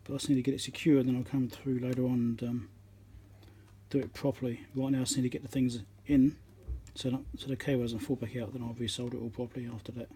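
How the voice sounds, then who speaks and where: A man giving casual hands-on commentary as he works, halting and half talking to himself while he concentrates, recorded on a phone at an indoor workbench. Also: mid-range voice, little pitch movement, mellow. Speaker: electronics repairer, channel host. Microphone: phone on a tripod above the work. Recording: noisy room recording on a phone.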